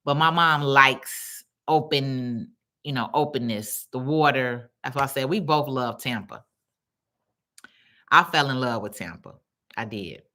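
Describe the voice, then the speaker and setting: A woman with a Chicago accent hosts a livestream from her phone. Her voice sits low but has a forceful, bright edge. She talks in blunt, slangy, animated chat and calls her viewers baby. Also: a little slow. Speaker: livestream host. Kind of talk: casual live chat answering comments.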